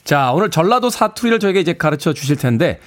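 A male radio DJ in the studio, talking in a playful way and laughing often. His voice sits a little high and swings lively up and down. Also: fast. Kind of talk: radio show hosting. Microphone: studio microphone.

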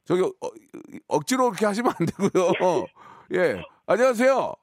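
A man hosting a live call-in radio segment, teasing callers with quick banter. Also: high voice, sing-song, a little mellow, no echo, clean studio sound. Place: radio studio.

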